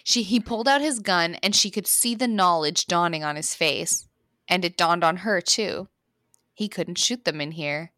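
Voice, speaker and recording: A woman's voice: lowish voice, normal speed, pushed and bright, no room sound, studio quality. Giggly woman reading a story aloud. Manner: reads aloud, breaks into giggles. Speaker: podcast host reading her story. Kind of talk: comedic erotic story reading.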